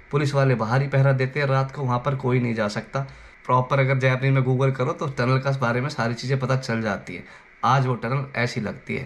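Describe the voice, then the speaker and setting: Somewhat breathy, this man speaks at a moderate pace and a medium pitch. His intonation is monotone and flat. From Haryana, India. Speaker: YouTuber, Indian living in Japan. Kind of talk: casual storytelling to camera.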